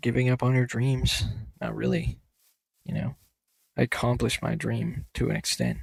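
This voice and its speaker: A quiet man at a moderate pace, with long, frequent pauses. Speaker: gaming YouTuber. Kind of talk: gameplay livestream commentary. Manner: quiet, subdued.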